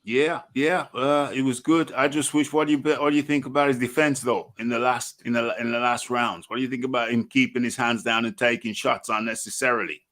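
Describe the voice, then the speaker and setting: A man hosts a boxing talk show in a lively, informal way. He stumbles over his starts and repeats his agreement. His pitch sits in the middle. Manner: lively, stammering restarts, quick affirmations. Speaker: host.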